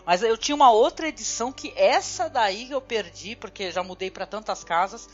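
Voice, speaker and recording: This podcast host from Brazil talks loosely in a chatty, casual conversation, filling constantly with little words like "né." Her voice is a little high, animated, and fairly quick, heard over dull lo-fi audio and faint music.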